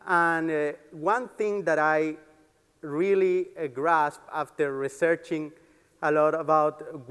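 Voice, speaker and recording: A man's voice: a little high, a bit bright. Man presenting in a reverberant hall. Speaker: developer advocate giving a conference talk. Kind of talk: conference presentation, explanatory. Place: conference stage, amplified in a large hall.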